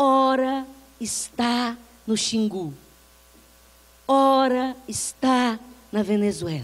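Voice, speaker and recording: A northeastern Brazilian accent at a very slow pace, with ordinary pitch variation and long, frequent pauses. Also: woman, high pitch for a woman. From Brazil, Northeast (Piauí). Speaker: spiritist lecturer, psychologist. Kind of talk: spiritual lecture. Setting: hall with audience. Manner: animated.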